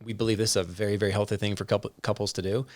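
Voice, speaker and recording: A man telling personal stories as a guest in a casual conversation, animated and emotional, with frequent restarts. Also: fairly low pitch, rapid-fire, no echo, studio quality. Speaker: podcast guest. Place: indoor room with whiskey and pipes.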